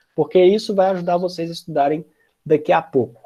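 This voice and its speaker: A man with a high-pitched voice. His tone is dark and mellow. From Brazil, Minas Gerais. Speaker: university lecturer. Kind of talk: online lecture. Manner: slow, deliberate pacing; hesitant, repeats words.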